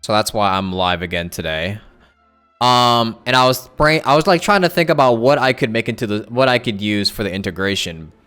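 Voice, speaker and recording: Speaking fairly quickly with lively intonation, this male live streamer has a lowish voice with a sharp, clear, resonant tone. He chats casually with viewers, rambling, thinking aloud and self-correcting, while music plays behind him.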